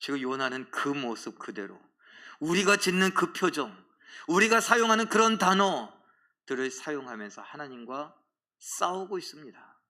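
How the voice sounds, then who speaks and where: A male pastor delivering a sermon to his congregation, asking them direct questions, dropping to a hushed near-whisper and then rising to loud exhortation, and acting out a prophet's angry complaint to God. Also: a little high, very animated, moderate pace.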